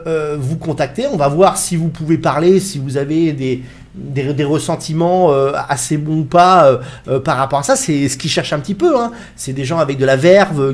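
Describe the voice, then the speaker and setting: A man chatting casually to his viewers, full of fillers and restarts. His voice sits a little high for a man. He talks like a YouTuber telling a story straight to camera. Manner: rambling, many fillers and restarts. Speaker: YouTuber recounting a TV interview.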